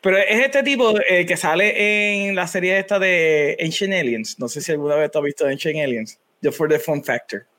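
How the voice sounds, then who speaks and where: Man, high voice, podcast co-host, trivia-minded explainer. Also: normal speed, hardly any pauses, bright, forceful tone. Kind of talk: casual chat.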